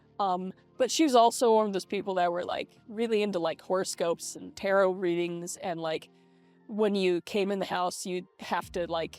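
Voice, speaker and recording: Music plays in the background as a woman speaks. Her medium-pitched voice holds fairly even intonation at a moderate pace. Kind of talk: casual talk to camera. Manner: hesitant, rambling.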